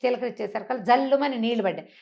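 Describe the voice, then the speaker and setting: Female storyteller, higher-pitched voice, colloquial folk-tale delivery with acted dialogue and rhetorical questions. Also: quick pace, gravelly, darkish tone.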